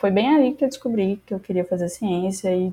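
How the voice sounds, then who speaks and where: On a very clean recording with a silent background, a woman's somewhat breathy voice has a dark, mellow tone. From Maceió, Alagoas, Brazil. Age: 20s. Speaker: PhD student in computer science. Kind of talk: interview.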